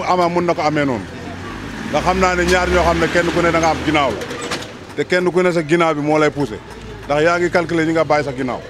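A middle-aged Senegalese man with a somewhat high voice talks earnestly, pausing and restarting while he looks for the right words. He speaks outdoors into handheld mics held close to his mouth. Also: slight background noise. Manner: earnest, halting, searching for words. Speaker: local resident interviewee. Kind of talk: street interview. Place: outdoors in front of a building. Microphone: handheld reporter mics held close.

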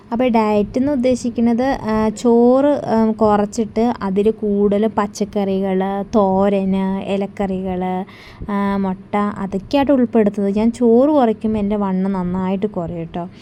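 A woman's voice: mid-range voice, fairly even intonation, moderate pace, mellow, slight background noise. A woman vlogger and mother chatting casually through her day, homely, often ending sentences with a friendly tag. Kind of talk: casual daily vlog narration.

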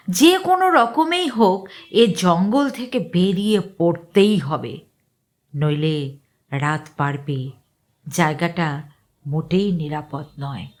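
A woman reading a story aloud in a slow, measured way, sometimes dropping to a near whisper. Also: on the low side. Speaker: story reader. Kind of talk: scripted story narration.

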